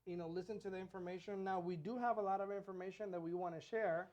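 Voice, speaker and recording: Man, mellow dark tone, casual podcast host, easygoing, lots of "you know". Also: high voice, quick pace, dull audio. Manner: relaxed, repeats himself, filler-heavy. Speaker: real estate agent and podcast co-host.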